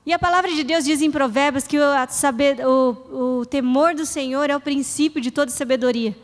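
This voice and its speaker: Her voice high, her intonation fairly even, and her pace moderate, a middle-aged woman pastor gives an earnest, chatty sermon. She acts out short prayers, and the church hall around her is reverberant.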